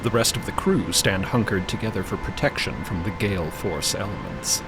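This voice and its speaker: A man narrating a fantasy audio drama in a deliberate, portentous, scripted style. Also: low-pitched, animated, gravelly, loud music behind the voice.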